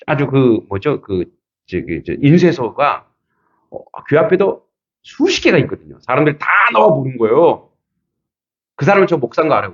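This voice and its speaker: A middle-aged man preaching as a pastor, telling a personal story with lively acted-out quotes and frequent laughter. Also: mid-range voice, lo-fi sound. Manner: animated, acts out quotes, laughs often. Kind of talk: sermon with storytelling.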